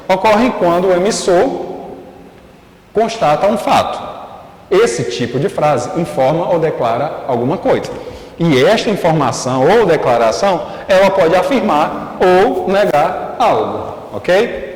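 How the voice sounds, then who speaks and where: A man's voice: on the high side, a little mellow. A male teacher giving a recorded class, explaining patiently and often checking in with his students. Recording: echoey room with long reverb.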